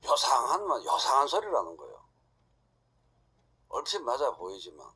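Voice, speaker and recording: A middle-aged man lectures an audience, bluntly firing rhetorical questions. His voice is husky, and his pitch rises and falls widely and lively. He speaks directly and without hesitation. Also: moderate pace.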